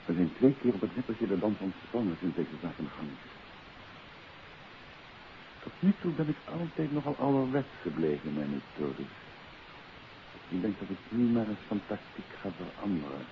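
A calm, self-assured gentleman detective in an old radio mystery. His low voice moves expressively as he speaks with deliberate, theatrical authority. The recording is muffled, with a faint hiss. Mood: grave, confiding. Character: calm, authoritative male detective, devoted husband. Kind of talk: 1950s Dutch radio drama acting.

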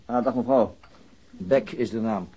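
A man playing a brisk, probing police detective in a radio drama, with questions broken by small hesitations. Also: lowish voice, muffled recording, noisy background, natural voice. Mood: polite questioning. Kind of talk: Dutch radio drama dialogue.

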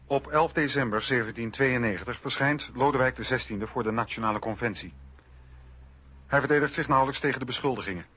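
A man narrating a scripted historical radio documentary in a measured, factual way. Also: mid-range voice, pushed and bright, breathy edge, muffled recording.

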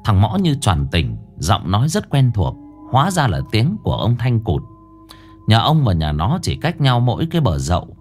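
A man's voice: fairly low pitch, moderate pace. Guy telling a scary ghost story, voice rises and falls a lot, faint music behind. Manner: dramatic, expressive delivery. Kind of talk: scripted horror story narration.

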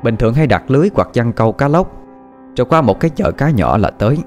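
A man narrating a horror story in an expressive, suspenseful way. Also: mid-range voice, quick pace, faint music behind. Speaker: audiobook narrator.

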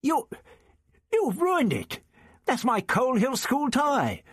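A man voicing an earnest, stubborn male schoolteacher who talks insistently, with a husky voice. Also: very high voice, huge pitch swings, takes it slowly, a bit bright, no room sound, clean studio sound, voice pushed up, full character voice. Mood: urgent. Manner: insistent, urgent.

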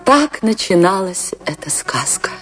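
A woman's voice: mid-range voice, very animated. An actress playing a romantic, anguished woman dancer who tells her tragic love story in a theatrical, emotive radio monologue. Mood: nostalgic, tender. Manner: theatrical, wistful, emotive delivery with dramatic pauses. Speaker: actress narrating a radio play. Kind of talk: dramatic first-person radio play monologue. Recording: radio play with music behind.

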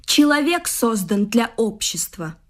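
Pouty young wife, high voice, stubborn n scornful, wants nice things, old-time stage comedy style. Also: female voice, sing-song, measured pace. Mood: petulant, scornful. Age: young adult. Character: discontented, petulant, frivolous young wife craving fashion and comfort. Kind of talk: Russian classic stage comedy radio acting.

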